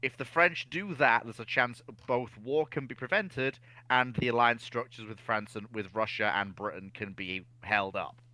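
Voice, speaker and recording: A man's voice: mid-range voice, moderate pace, hardly any pauses, pushed and bright, dry recording, rough recording. A man on a discussion panel, talking history casually and building his argument step by step.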